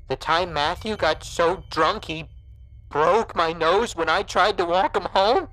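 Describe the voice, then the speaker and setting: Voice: medium pitch, a bit bright, no room sound, rough recording. An actor playing a monstrous creature posing as a gangster's trusted friend in a noir horror audio drama, insistent and coaxing. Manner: slow, deliberate, insistent, coaxing.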